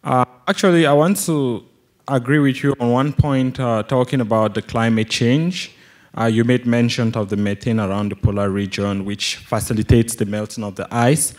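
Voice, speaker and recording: A man's voice: medium pitch, steady tone, moderate pace, darkish tone. Young Cameroonian-accented man speaking from the floor. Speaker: audience questioner, geology PhD student. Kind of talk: question and comment from the floor.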